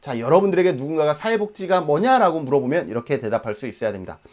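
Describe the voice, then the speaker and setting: A man's voice: on the high side, big pitch swings, very fast, a little mellow. A man in his forties from Jeju Island, South Korea, giving an exam-prep lecture emphatically, asking questions and answering them himself.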